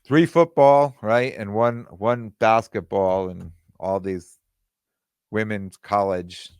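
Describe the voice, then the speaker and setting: A man hosting his own podcast in casual, rambling talk, with plenty of fillers and restarts, and his voice going hoarse. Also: lowish voice, slow pace, dry recording. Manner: quotes other people in dialogue. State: losing his voice. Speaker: podcast host.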